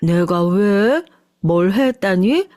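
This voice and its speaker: A woman's voice: mid-range voice, expressive, very slow, a little mellow, no room sound, studio quality. A woman doing a defiant older mother-in-law. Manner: defiant, feigning innocence. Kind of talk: radio story reading.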